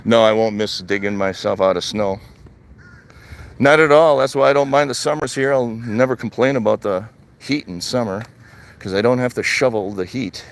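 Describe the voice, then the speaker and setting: This older vlogger from Wisconsin talks casually to his live stream as he walks outdoors in a retirement community. Speaking in a lowish voice at normal speed, he keeps things plain and conversational, restating his points.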